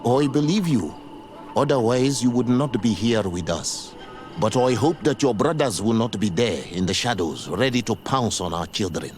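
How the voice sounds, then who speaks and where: An actor playing a grave, dignified tribal spiritual mentor in a video game, speaking in a solemn, measured, formal way. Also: male voice, mid-range voice, lively intonation, a little mellow, lightly acted. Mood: wary. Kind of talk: video game dialogue acting. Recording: music behind the voice.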